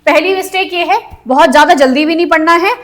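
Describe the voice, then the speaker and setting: A woman's voice: extremely high pitch, fast, fairly bright tone. A woman teaching an online class, mixing Hindi and English and calling on students by name.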